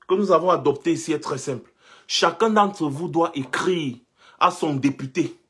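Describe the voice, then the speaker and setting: A man's voice: on the high side, husky. A young man from Cameroon giving an impassioned monologue, rhetorical and insistent, repeating his points. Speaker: commentator.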